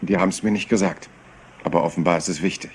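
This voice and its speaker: An actor playing a rumpled, seemingly scatterbrained police inspector in a German crime radio play, rambling and deceptively polite. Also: male voice, low-pitched, steady tone, fast talker, a little mellow, breathy edge. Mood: casually probing. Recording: noisy retro radio play.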